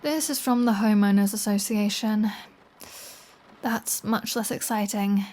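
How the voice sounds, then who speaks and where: In a scripted, one-sided ASMR audio roleplay, a woman plays an adult female vampire who is flirty and playful but threatening as she toys with a hunter. Her delivery is teasing, nosy and sardonic, lingering over words at a measured pace. The voice is medium-pitched and close to everyday, with a darkish tone and fairly even intonation.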